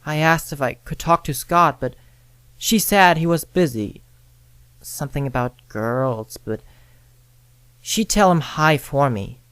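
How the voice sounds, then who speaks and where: A narrator reading a scripted first-person story in short phrases with frequent pauses. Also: mid-range voice, expressive, a bit bright, smooth, dry recording. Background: music with guitar and piano.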